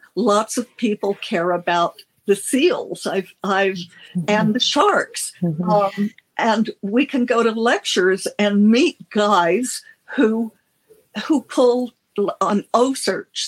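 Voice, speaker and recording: A woman speaks very slowly at a fairly high pitch, with ordinary pitch variation and very even loudness, in a dry, close sound with no echo. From US Midwest. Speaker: author. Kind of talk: casual chat. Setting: video call.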